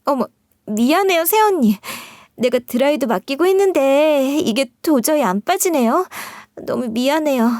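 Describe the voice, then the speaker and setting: A woman's voice: high-pitched, expressive, moderate pace, darkish tone, no echo, studio quality, pitched above the performer's own voice. A woman voicing a spoiled, pushy young sister-in-law who talks in a wheedling, pouty way in a story read aloud.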